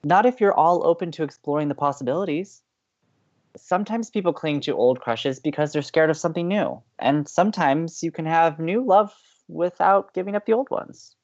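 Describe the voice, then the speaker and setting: A woman's voice: sits low, moderate pace, a little mellow, lo-fi sound. A woman playing an upbeat, teasing, hopelessly romantic college radio co-host in an audio drama, talking in playful, emphatic banter. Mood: breezy, encouraging. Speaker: actor in a romantic comedy podcast.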